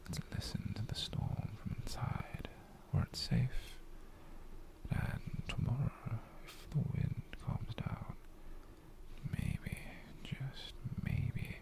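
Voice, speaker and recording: A man's voice: medium pitch, takes it slowly, vocal fry. A man with a British accent playing a doting, possessive, menacingly sweet boyfriend in a whispered, coaxing ASMR roleplay. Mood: tender, clingy. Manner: coaxing, teasing, theatrical.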